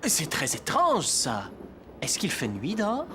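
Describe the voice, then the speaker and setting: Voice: mid-range voice, huge pitch swings, measured pace, pushed and bright, soft background music, heavily acted. An actor playing a kindly, playful male train conductor who reassures a child in a children's cartoon. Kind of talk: animated children's cartoon acting.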